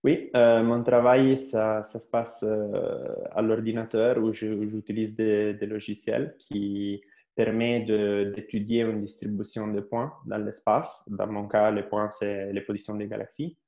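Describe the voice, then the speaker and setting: An Italian-accented man in his thirties speaks French in a low, flat voice, searching for words and circling back on his sentences. The sound is roomy and dull, like lo-fi live-stream audio. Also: unhurried. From Italy. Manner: hesitant, many fillers and restarts. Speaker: astrophysicist guest. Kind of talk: interview answers.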